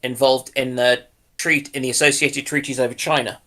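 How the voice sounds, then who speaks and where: A man's voice: mid-range voice, steady tone, normal speed, bright, forceful tone. A man joining a casual panel discussion, tentatively thinking aloud.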